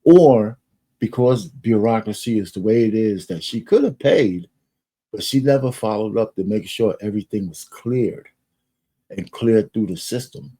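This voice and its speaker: A man's voice: fairly low pitch, expressive, a little slow, dark tone, breathy edge. A man giving casual, opinionated commentary in a blunt, colloquial way with some swearing. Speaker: video commentator.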